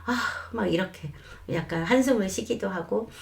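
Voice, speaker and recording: A woman who is a child development expert, calmly explaining parenting advice in a lesson and sometimes acting out what a mother might say. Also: medium pitch, normal speed, gravelly. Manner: calm, reassuring explanation with acted quotes of mothers.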